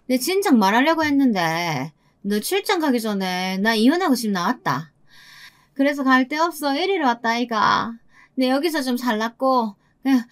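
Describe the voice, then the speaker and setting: Woman voicing an older mother-in-law from for an audio story: shrill, bossy and pushy, pitched high. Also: a bit bright. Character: loud domineering older mother-in-law with a regional dialect.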